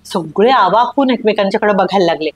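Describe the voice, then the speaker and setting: A woman's voice: fast talker, husky. A woman reading a short story aloud, narrating expressively. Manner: voices friends' dialogue with raised excited pitch. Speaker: story reader.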